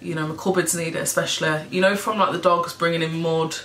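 A cleaning vlogger with a slightly hoarse, froggy throat chats casually to a camera set at table height in her home kitchen, rambling, swearing and laughing now and then. Her voice is low-pitched, steady and fairly bright, and she talks fast. The kitchen is echoey, with background noise.

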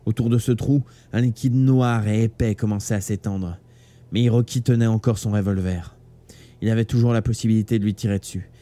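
Man narrating a novel, warm voice. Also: fairly low pitch, a little fast. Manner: steady, dramatic storytelling. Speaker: audiobook reader. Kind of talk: live audiobook narration. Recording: faint background music.

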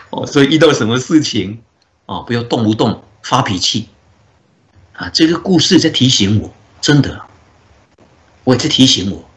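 A man, a Buddhist monk, giving a dharma talk as a story, with drawn-out filler particles and frequent chuckles. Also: mid-range voice, lively intonation, fairly bright tone.

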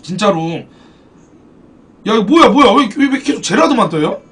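A man's voice: high-pitched, normal speed, recorded from a distance. A man streaming a football card game, chatting casually with viewers, thanking donors and swearing in banter. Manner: animated, swearing, bantering with chat. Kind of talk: casual live-stream chat.

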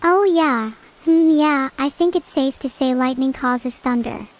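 A synthetic female AI voice, chatting casually as a stream co-host with dry, deadpan quips. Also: high voice, measured pace. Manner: deadpan, matter-of-fact quips. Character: female AI vtuber, dry and teasing.

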